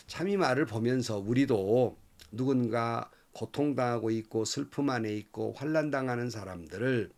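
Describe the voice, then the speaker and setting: A man's voice: medium pitch, moderate pace, a little mellow. A male pastor giving a morning devotional sermon, earnestly asking his listeners rhetorical questions and sometimes dropping to a whisper.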